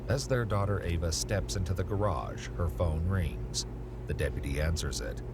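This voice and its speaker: A man giving scripted, measured documentary narration over police footage. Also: low-pitched, heavy background noise.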